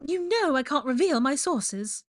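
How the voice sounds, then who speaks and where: Woman putting on a falsely chipper, high-pitched gossip journalist. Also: lively intonation, unhurried. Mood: flustered, dramatic. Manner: affectedly sweet and theatrical.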